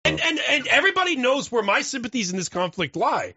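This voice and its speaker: A podcast co-host chats casually in a blunt, profane manner, his voice very high, husky and sharp, with fast delivery and wide pitch swings. The audio is dull and close-miked with no echo, and he often speaks off-axis into the close microphone.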